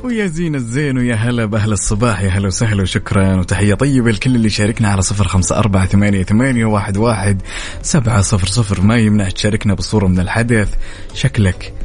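A Saudi man hosts morning radio in a slightly low voice. He banters colloquially with listeners at a rapid clip, with soft music playing underneath. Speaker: radio host. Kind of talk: lively morning radio chat. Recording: music bed behind voice. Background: faint music.

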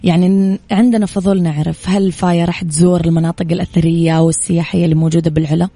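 A woman's voice: lowish voice, little pitch movement, very fast, warm tone. A woman asking questions as an interviewer in a conversational style.

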